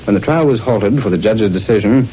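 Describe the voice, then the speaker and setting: A male announcer giving formal, measured narration for a 1930s radio drama, on an old radio recording. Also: lowish voice, warm tone, slight background noise, poor audio.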